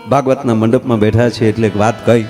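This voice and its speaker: A man telling folk comedy stories on stage, swinging from hushed asides to loud declaiming. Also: on the low side, steady tone, fast, over music. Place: stage at a religious gathering.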